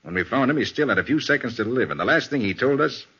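An actor playing a confident, commanding private detective in a 1940s radio crime drama, brisk and authoritative. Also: male voice, mid-range voice, expressive, sharp tone, husky, exaggerated voice. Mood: assured, probing. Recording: dull lo-fi 1940s radio recording.

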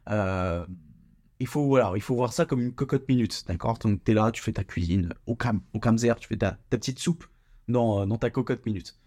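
A man's voice: lowish voice, moderate pace, a little mellow. Young man, solo podcast host; casual slangy delivery, frequent stumbles and repeated words.

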